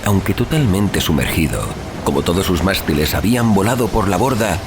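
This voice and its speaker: A man giving a dramatic, measured and expressive narration of a horror story at sea. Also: low voice, background noise. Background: music.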